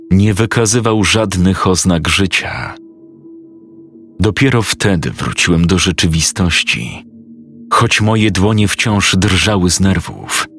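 A man narrating a scripted horror story in a slow, grave manner. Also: low-pitched, a bit bright. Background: faint music.

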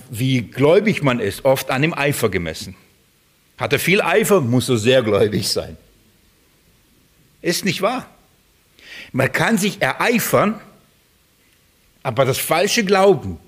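A man's voice: mid-range voice, husky. A man giving a sermon, emphatic and repeating phrases for stress. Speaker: preacher.

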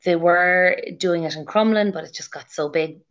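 A woman's voice: fairly low pitch, normal speed. A woman answering interview questions as a clinician, earnest and explanatory, on slightly muffled audio. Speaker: haematology clinician interviewed as guest.

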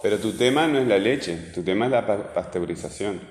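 Low-voiced Rioplatense teacher, echoey room. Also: male voice, lively intonation, fairly quick, a little mellow. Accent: Rioplatense Spanish. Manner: explanatory, hesitant, many fillers. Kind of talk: interviewing a student in class. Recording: echoey room with long reverb.

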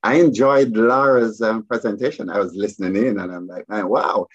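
A man from Jamaica with a Jamaican accent, a resort representative speaking as a podcast guest, pausing often with fillers. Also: lowish voice, steady tone, no room sound, dull audio. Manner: speaks with many fillers and pauses. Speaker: resort business development guest. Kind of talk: podcast interview.

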